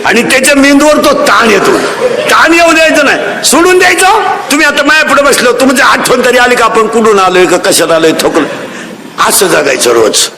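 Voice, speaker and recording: A middle-aged man preaching a devotional sermon with humor, emphatic and often shouting out his points. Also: very high-pitched, expressive, fairly quick, a crowd in the background. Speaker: kirtan preacher.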